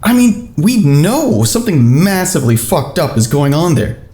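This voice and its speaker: An actress plays an exasperated believer in an audio drama, in a low voice that swings widely. The delivery is emphatic and pleading, in a roomy, echoing space. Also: female voice, big pitch swings, normal speed, mellow. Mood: exasperated, insistent. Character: insistent, exasperated believer pressing a skeptical old friend.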